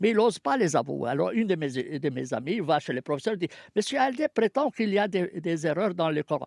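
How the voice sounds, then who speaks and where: A fairly high male voice with vocal fry and very wide pitch swings, moderate in pace, dry and close with no echo against a quiet background. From Palestine. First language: Arabic (speaking French). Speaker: law professor and Quran scholar. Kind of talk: interview.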